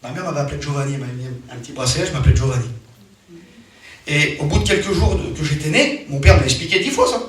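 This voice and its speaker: A man's voice: fairly high pitch, fast talker, fairly bright tone. A man preaching a sermon as a personal story, emphatic and repetitive, often restarting his sentences. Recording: very echoey hall, mic far off.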